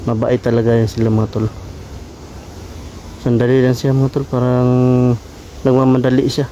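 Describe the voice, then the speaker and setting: The voice is a man's, of middling pitch, with a Filipino accent. He talks to his viewers casually and familiarly, halting and repeating phrases as he goes. The recording is made outdoors and is clearly noisy with wind. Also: monotone, warm tone, muffled recording. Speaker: adventure vlogger and host. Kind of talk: casual vlog narration to viewers. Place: outdoors in a windy, quiet spot.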